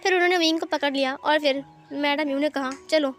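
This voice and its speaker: A woman with a high voice narrates a fan-fiction story in a plain, quick storytelling manner. Faint music plays softly under her reading. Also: steady tone.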